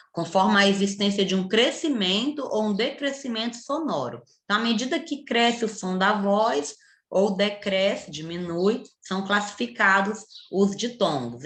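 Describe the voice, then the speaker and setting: A woman's voice: medium pitch, fairly bright tone. A middle-aged Brazilian woman teaching a recorded primary school video lesson, patient and coaxing, often checking in with her pupils. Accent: Brazilian Portuguese. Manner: patient, repetitive, coaxing with tag questions. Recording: echoey room.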